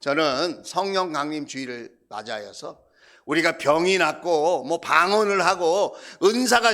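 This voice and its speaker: A man preaching a Sunday sermon in a church. His voice sits high and sounds bright and forceful. He is earnest, and at times he acts out his own prayers. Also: gravelly. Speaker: pastor. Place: church sanctuary.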